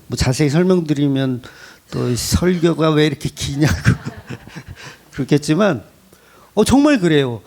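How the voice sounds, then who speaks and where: A man's voice: fairly high pitch, creaky. A man preaching a sermon as a pastor, speaking conversationally and asking his congregation questions. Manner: lively, rising emphasis. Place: church.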